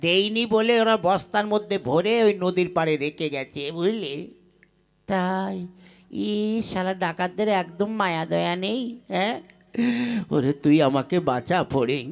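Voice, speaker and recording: A man's voice: high-pitched, animated, a little slow, gravelly, full character voice. A man voicing a sly, boastful young village rogue who talks in a wheedling, colloquial way in a comic puppet play.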